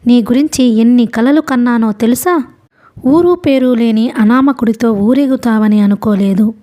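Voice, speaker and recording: Woman reading as a stern rich dad, harsh and bossy, kinda high mellow voice. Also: normal speed, lightly acted. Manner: harsh, commanding. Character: stern proud wealthy father, man.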